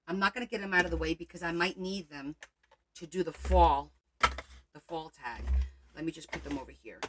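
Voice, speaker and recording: A woman's voice: low-pitched, normal speed, noisy background. A woman from Portugal hosting a crafting livestream, thinking aloud as she works and answering viewer comments. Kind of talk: casual crafting livestream chat.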